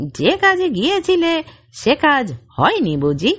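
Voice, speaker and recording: Putting on a character voice, a woman talks fairly slowly at a high pitch. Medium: read story. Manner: anxious, fretful.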